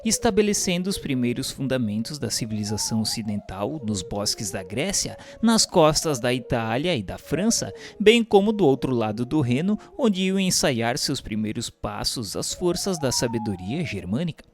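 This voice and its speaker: A man's voice: medium pitch, big pitch swings, moderate pace, few pauses. A man reads a scripted spiritual history narration in a solemn, formal, literary manner. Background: music behind the voice.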